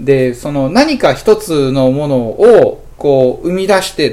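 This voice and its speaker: This man's pitch swings very widely. His voice rises and falls dramatically. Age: 40s. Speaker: restaurant owner and podcast host. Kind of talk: casual solo monologue. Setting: office above restaurant.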